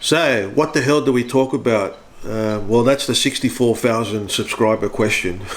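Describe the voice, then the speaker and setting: A man at a medium pitch talks at a moderate pace with ordinary pitch variation over noticeable background noise. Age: 50s. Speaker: hobby photographer and YouTuber. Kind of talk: casual vlog talk to camera. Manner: hesitant with many fillers.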